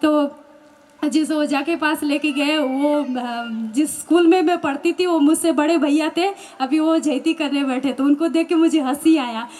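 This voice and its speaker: A woman with a high, bright voice tells her own faith testimony as a religious sister. She tells it as a story, slipping into the voices of the people in it. She breaks into light laughter along the way. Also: fairly even intonation, measured pace. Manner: storytelling, acting out quoted voices, laughing now and then.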